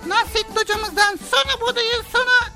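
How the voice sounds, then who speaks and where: A woman voicing an excitable, friendly sidekick presenting a children's radio show. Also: extremely high pitch, brisk, loud music behind the voice. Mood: excited.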